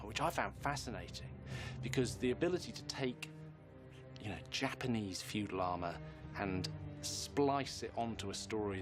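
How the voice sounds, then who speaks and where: A man explaining history emphatically, as a commentator interviewed for a documentary. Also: on the low side. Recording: loud music bed behind voice.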